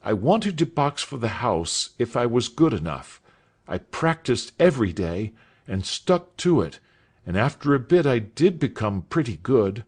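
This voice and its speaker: A man's voice: medium pitch, big pitch swings, a little slow, darkish tone, slightly rough, voice pushed up, full character voice. A man reading aloud voices a nervous, earnest teenage schoolboy who speaks hesitantly.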